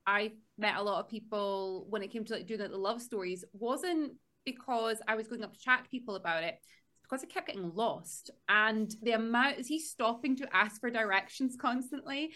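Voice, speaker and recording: A woman's voice: fairly high pitch, moderate pace, bright, forceful tone. A woman co-hosting a podcast, telling a story in chatty casual talk. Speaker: podcast co-host. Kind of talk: casual chat.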